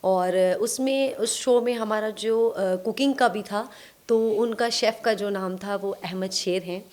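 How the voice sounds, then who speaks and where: A woman's voice: mid-range voice, measured pace, darkish tone. A young woman, an actress, recalling her start in a reflective, storytelling way with hesitant fillers. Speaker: actress, guest. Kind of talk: casual interview chat.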